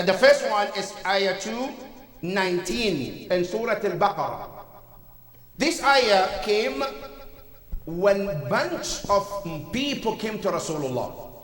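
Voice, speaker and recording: High-voiced preaching man in echoey hall. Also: fairly bright tone, far from the mic. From Africa. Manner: earnest, preaching with rhetorical questions. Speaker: imam. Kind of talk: Friday sermon. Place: mosque prayer hall.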